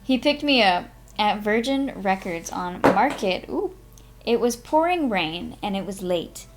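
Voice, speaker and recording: A woman with a mid-pitched voice reads a memoir aloud in an unhurried way. Her delivery is informal storytelling, like a streamer narrating live, open to little asides. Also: lively intonation, noisy background. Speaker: streamer reading a book aloud.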